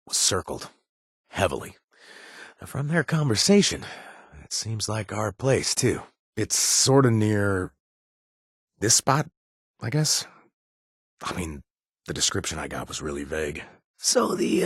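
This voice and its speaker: A man's voice: low voice, fairly bright tone, breathy edge, no echo, clean studio sound, full character voice. An actor voicing a wisecracking young male ex-chem user from the wasteland, talking with lots of hesitant fillers and self-mocking jokes in scripted video game lines. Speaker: game companion character.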